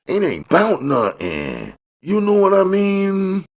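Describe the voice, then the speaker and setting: A man's voice: high-pitched, huge pitch swings, slow pace, voice pushed up, full character voice. A man voicing a grinning, coaxing drug supplier in slangy, expansive talk for an audiobook. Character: grinning, mellow, wheedling male drug supplier, street-slang hustler.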